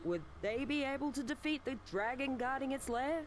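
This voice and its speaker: A woman's voice: high-pitched, moderate pace, slight background noise, natural voice. A woman acting a dramatic, playful narrator of a visual novel game. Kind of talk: theatrical scripted narration.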